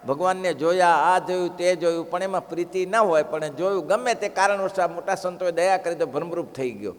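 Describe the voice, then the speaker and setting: A man delivers a devotional sermon with a high voice, telling stories and going back over his points for emphasis. His voice carries a long reverb from a large hall. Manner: storytelling, repeats phrases for emphasis, chants verses. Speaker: preacher giving a scripture discourse.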